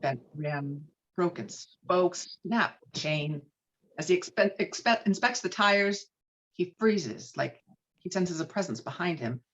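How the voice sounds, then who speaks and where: A woman narrates a screenplay, reading out scene headings and action. Her voice sits fairly low, and the audio is a little dull and lo-fi. It has the feel of a scripted table read. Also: animated, slow, fairly bright tone, slightly rough. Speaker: narrator reading stage directions.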